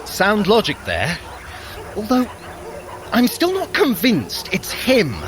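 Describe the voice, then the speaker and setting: A scheming trickster god in an audio drama. He is sardonic and flamboyant, speaking in ornate formal phrases with a highish voice that leaps around freely. Faint action effects sit behind him. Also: wildly swooping pitch, slow pace, noisy background, full character voice. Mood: wry. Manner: wry, sardonic, flamboyant, elaborate formal wording. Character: sly, theatrical Norse trickster god, wry schemer. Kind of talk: dramatic audio adventure acting.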